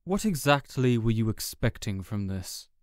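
A man playing a smug, contemptuous supervillain in an audio roleplay, speaking in a deliberate, condescending way. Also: medium pitch, big pitch swings, no room sound, clean studio sound, lightly acted. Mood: smug, cold. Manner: deliberate, condescending, theatrical monologuing. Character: smug, contemptuous male supervillain gloating over a beaten rival. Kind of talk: audio roleplay villain acting.

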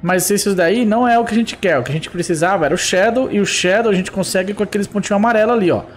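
A man doing excitable gameplay commentary, often exclaiming to his audience. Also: high voice, fast talker, a little hiss or hum. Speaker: gameplay streamer.

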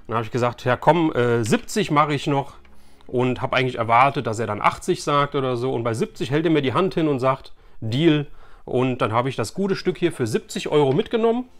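A man's voice: medium pitch, lively intonation, brisk. A man in his forties chatting casually and animatedly to the camera as a host of a collectors' video channel. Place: small furnished room lined with collectible shelves, indoors.

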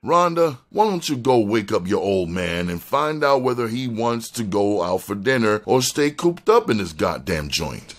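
Man acting out menacing young gangster, rough, bossy, profane, lively pitch, crime audiobook. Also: normal speed, few pauses. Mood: rough, irritated. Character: tough, short-tempered young male hoodlum, menacing.

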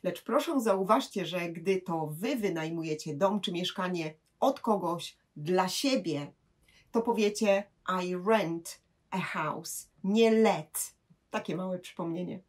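Husky woman teaching English grammar. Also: fairly low pitch, expressive, a little mellow. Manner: clear, patient explaining with slow English examples.

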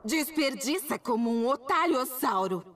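A bossy high-voiced teen girl. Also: lively intonation, very noisy. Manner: commanding, brisk. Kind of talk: cartoon voice acting. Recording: distant with music behind.

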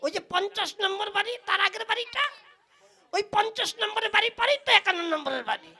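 A woman's voice: very high voice, expressive, quick pace, bright, forceful tone, heavily acted. A woman playing a cheeky, greedy male tea seller who stalls and teases in an exaggerated comic puppet play. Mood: scolding, indignant. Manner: exaggerated, teasing, long-winded.

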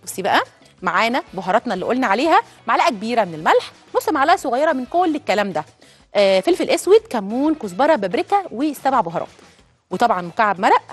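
A woman's voice: a little high, sing-song, racing, breathy edge, faint music behind. A woman with an Egyptian accent hosting a cooking show, chatting directly to viewers as she cooks. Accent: Egyptian Arabic. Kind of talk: cooking demonstration.

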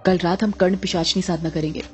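A woman's voice: fairly low pitch, fairly even intonation, fast, a little mellow, faint music behind, natural voice. A woman voicing a bossy, scheming middle-aged witch mother who scolds and gives orders. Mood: low scheming. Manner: scolding, commanding.

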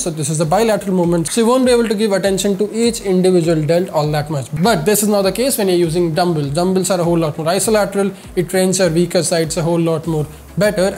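A man's voice: high voice, fast, few pauses, a little mellow, a little hiss or hum. A man in his twenties with an Indian accent and a nasal, whiny voice stuffed up by a cold and sore throat, presenting fitness instruction to camera with emphatic repetition. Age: 20s. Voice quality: nasal, congested whine from a head cold. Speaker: fitness channel host. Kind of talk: scripted-style instructional vlog to camera. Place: indoor studio with plain backdrop. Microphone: lapel mic.

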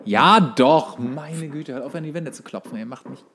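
A man's voice: a little high, moderate pace, fairly bright tone, a little hiss or hum. A man chatting as a podcast co-host in a wry, jokey, informal style. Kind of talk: casual comedic podcast chat.

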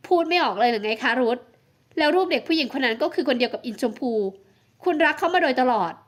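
A woman's voice: high-pitched, lively intonation, fast. A woman reading a romance audiobook, voicing a jealous young woman who pleads through tears. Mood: bitter. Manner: emotional, tearful pleading. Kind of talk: audiobook romance novel acting.

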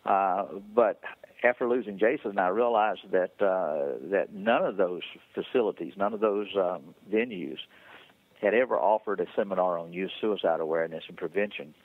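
A middle-aged man speaking as a guest in a phone interview, halting, with many fillers and restarts. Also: deep voice, no room sound. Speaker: interview guest, foundation founder. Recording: tinny phone line.

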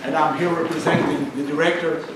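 A man in his fifties from the Azores introducing a speaker on a stage, halting often with fillers and restarts. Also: a little high, level tone. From Portugal, Azores. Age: 50s. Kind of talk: hesitant formal introduction. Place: stage of a small venue, indoors. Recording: echoey hall from a distance, noisy.

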